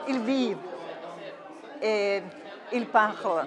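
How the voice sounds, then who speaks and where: A woman speaks at a very slow pace with a fairly high pitch and lively intonation. Audible room echo surrounds her voice, with crowd noise in the background. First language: Finnish and French from childhood (speaking French). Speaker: alumna of French studies. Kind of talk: interview testimony.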